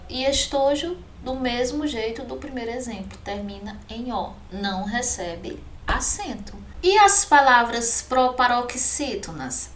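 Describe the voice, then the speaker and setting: A woman teacher with a Brazilian accent explaining a lesson, slowly stressing each example word. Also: fairly high pitch. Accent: Brazilian Portuguese. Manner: slow, careful, stretches example words. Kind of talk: recorded online class. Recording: echoey room with faint noise.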